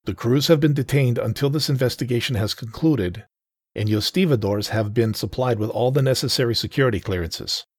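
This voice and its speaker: A man voicing a formal, evasive male federal agent who gives a measured briefing, in an audiobook reading. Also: medium pitch, husky, no room sound, studio quality, voice pushed up, natural voice.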